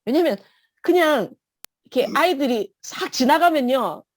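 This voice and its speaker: Woman, church testimony, emotional storytelling, fairly high voice, dry close sound. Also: animated, moderate pace, dry recording. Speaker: church member giving testimony. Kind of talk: personal testimony.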